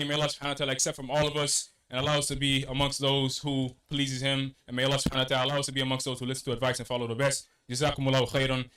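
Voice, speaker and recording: A man from Senegal speaks quickly in a somewhat high voice. He addresses a mosque congregation as youth director, sounding earnest and motivational, and repeats his key phrases for emphasis. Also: a bit bright, rough recording. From Senegal, West Africa.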